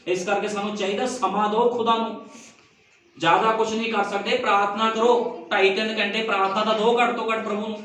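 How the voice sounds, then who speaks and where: Man, pastor preaching, high voice, very echoey hall, distant mic. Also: level tone, a little fast, fairly bright tone. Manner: preaching with rhetorical questions, emphatic. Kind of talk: sermon. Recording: very echoey room, distant mic, faint noise.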